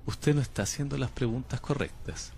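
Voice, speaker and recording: An actor playing a calm, cryptic male patient who claims to come from the future, speaking in a slow, measured, unsettling way. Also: mid-range voice, creaky, slight background noise, close to an everyday voice. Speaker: patient under interview. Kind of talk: audio drama acting.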